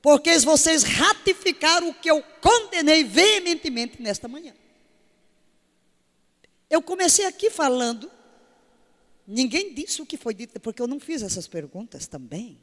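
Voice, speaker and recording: A woman's voice: high-pitched, lively intonation, moderate pace, pauses often, fairly bright tone, long reverb tail. A woman preaching a sermon to her congregation in an emphatic way, full of rhetorical questions. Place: church service.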